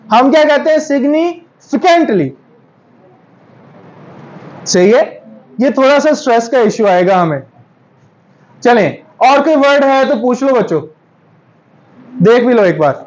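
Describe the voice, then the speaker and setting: A male English pronunciation teacher, correcting students and repeating words slowly to drill stress in a classroom. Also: very high voice, lively intonation, highs cut off. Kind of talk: classroom lesson.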